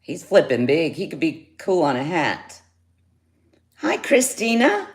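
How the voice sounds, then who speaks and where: A woman's voice: low-pitched, sing-song. Lady doing a jewelry livestream, chatty, says hi to viewers, takes her time. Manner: chatty, greets viewers by name, slow and unhurried. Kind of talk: casual live sales chat. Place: home studio, indoors.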